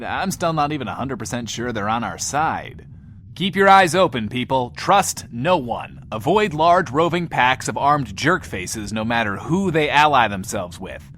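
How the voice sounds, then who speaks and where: A manic, lonely DJ broadcasting from a post-apocalyptic bunker in a comic radio drama. His theatrical, rambling delivery swoops widely in pitch, and he hosts like a showman talking about himself in the third person. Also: fairly bright tone, slight background noise. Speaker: radio show host.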